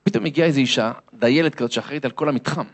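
A man's voice: mid-range voice, slightly rough. A man, a lecturer, telling a comic story to an audience and acting out the voices and sounds in it.

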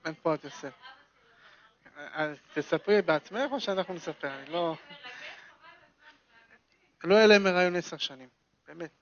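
A man's voice: a little high, dull audio. A man teaching a religious lesson to a small group, telling a story with emphatic repetition.

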